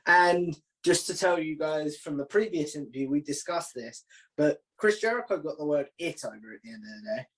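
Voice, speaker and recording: A man's voice: a little high, animated, moderate pace, fairly bright tone, rough recording. A man hosting an interview in a casual, chatty style. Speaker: host interviewing a podcaster.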